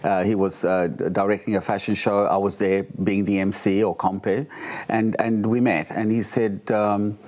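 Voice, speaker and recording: An older man born in Egypt, whose first language is Italian, speaking as a guest in a relaxed interview and often pausing with fillers and restarts. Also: lowish voice. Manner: hesitant, with many fillers and restarts. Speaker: guest, drag performer.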